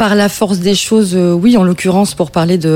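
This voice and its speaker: A woman speaks with a fairly low pitch, a dark, mellow tone and fairly even intonation. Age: 40s. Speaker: artist booking agent. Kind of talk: round-table discussion.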